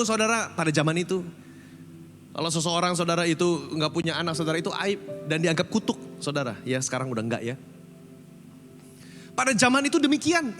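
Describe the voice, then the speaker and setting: A man's voice: high voice, bright, forceful tone, long reverb tail. A man preaching a sermon as pastor with an Indonesian accent, emphatic and often addressing the congregation directly, sometimes switching into English phrases. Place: large church hall.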